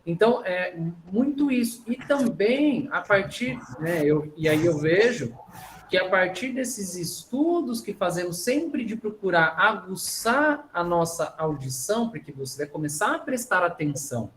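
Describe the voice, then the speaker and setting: A man's voice: high-pitched, animated, a little slow, slight background noise. A man leading a training session for art teachers, explaining ideas with rhetorical questions.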